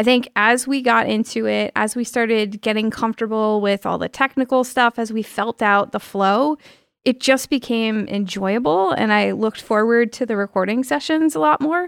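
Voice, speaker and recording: Delivered in a normal speaking voice at a moderate pace with hardly any pauses and ordinary pitch variation, the speech comes through a very clean recording with a silent background and a dry, close sound with no echo. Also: woman, fairly high pitch for a woman. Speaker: co-host of a workplace podcast, people VP. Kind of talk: casual chat. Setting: studio, in person.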